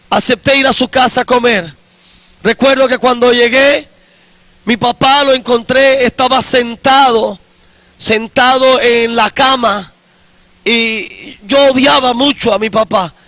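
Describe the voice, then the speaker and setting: A man in his forties, an evangelist preaching his own testimony slowly and emphatically, often repeating his phrases. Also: extremely high pitch, fairly bright tone, no room sound.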